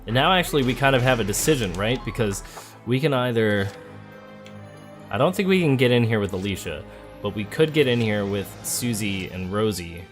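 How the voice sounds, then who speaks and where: A man's voice: on the low side, animated, moderate pace. A man hosting a let's play, thinking aloud in casual, conversational game commentary. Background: game music.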